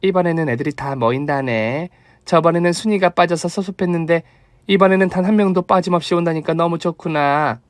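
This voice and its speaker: A man's voice: a little high, a little fast, no room sound, clean studio sound, lightly acted. A man voicing a thrifty, kind elderly mother-in-law who fusses and scolds affectionately. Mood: fond.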